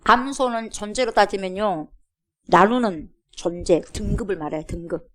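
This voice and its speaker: A woman's voice: medium pitch, moderate pace, fairly bright tone. A woman pastor preaching a sermon in a church, emphatic, firing rhetorical questions at the congregation and acting out quotes. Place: church sanctuary.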